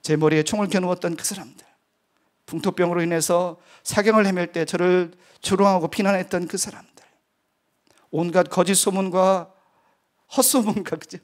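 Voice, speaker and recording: Middle-aged male missionary preacher, high-pitched, earnest storyteller in a sermon testimony. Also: fairly even intonation, normal speed.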